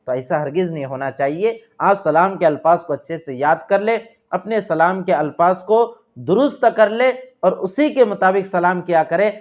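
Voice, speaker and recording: A man with a Pakistani Urdu accent giving earnest, repetitive religious instruction and addressing viewers as dear friends. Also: high voice. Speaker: religious teacher. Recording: dull lo-fi sound.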